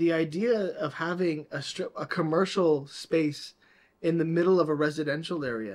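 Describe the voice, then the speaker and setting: Over a quiet background, a man with a Canadian accent and an unremarkable speaking voice talks at a moderate pace with a fairly high pitch. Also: ordinary pitch variation. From Montreal, Quebec. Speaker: filmmaker interviewer. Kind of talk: casual interview.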